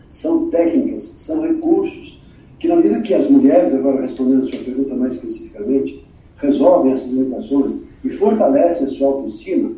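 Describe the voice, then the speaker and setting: A man hosting a podcast interview as a communication coach, talking in an animated, emphatic way and acting out quoted voices. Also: mid-range voice. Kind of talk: conversational interview, teaching with examples. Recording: very echoey room, distant mic.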